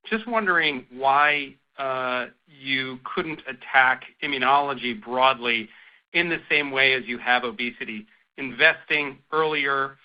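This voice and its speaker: A male analyst puts a question on a business call. He has a middling pitch and feels his way through phrases. The line is dull and lo-fi. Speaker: financial analyst caller. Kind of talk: asking a question on an earnings call. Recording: dull lo-fi phone conference line.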